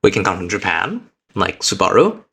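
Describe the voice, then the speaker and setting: A man with a low voice and a bright, forceful edge, talking earnestly to his stream chat. He speaks reflectively, at an uneven pace, sometimes restarting his sentences. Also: wildly swooping pitch, normal speed, gravelly, breathy edge. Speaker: VTuber streamer. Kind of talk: heartfelt personal speech to stream chat.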